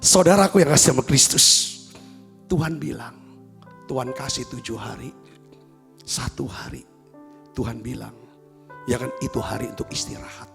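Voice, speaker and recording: Gravelly, emphatic male pastor preaching. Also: mid-range voice, moderate pace, pauses often, a bit bright, in a large hall, soft background music. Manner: emphatic, repeatedly addresses the congregation. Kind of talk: sermon.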